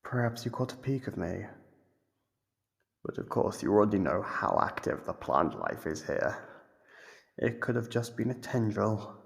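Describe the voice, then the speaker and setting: A man playing a sadistic, playfully menacing monster captor in an ASMR horror roleplay, with a gravelly, husky voice and a slow, teasing delivery. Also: on the low side, sing-song, full character voice. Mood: taunting, amused.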